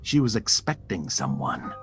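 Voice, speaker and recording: Man as slow, dramatic storybook narrator. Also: deep voice, sing-song, creaky, soft background music, heavily acted. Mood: solemn suspense. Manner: measured, theatrical, suspenseful.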